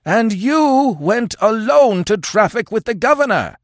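Screeching, frenzied old tribal chief. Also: male voice, high-pitched, animated, unhurried, no echo, clean studio sound, pitched above the performer's own voice. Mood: furious, accusing. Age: older. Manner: howling, screeching accusations.

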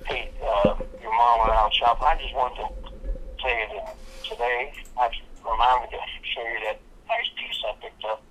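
Bright-voiced dad on speakerphone. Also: male voice, medium pitch, expressive, slight background noise, rough recording. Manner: folksy, chatty, unhurried. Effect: heard over a phone on speakerphone. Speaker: host's father calling in. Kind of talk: casual phone chat. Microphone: phone speaker held near the host's mic.

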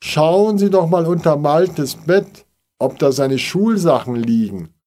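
A man's voice: mid-range voice, animated, a little slow, warm tone, pitched above the performer's own voice. A man voicing a worried, desperate father in a storybook reading, talking anxiously and pleadingly. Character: despairing, worried father and neighbour.

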